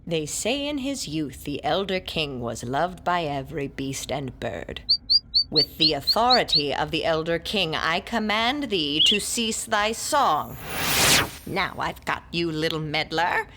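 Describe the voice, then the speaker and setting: A woman's voice: deep voice, very animated, unhurried, heavy background noise. A woman playing a shrewd, scholarly older classicist who tells tales and scolds her companions in a theatrical manner. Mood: puzzling. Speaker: narrator and lead character. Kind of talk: audio drama acting.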